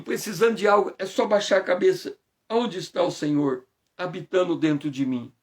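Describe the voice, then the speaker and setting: A man from Brazil with a fairly high voice leads a morning devotional as pastor. He speaks slowly and reflectively, stretching his phrases as he prays and tells a personal story. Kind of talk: devotional prayer and sermon.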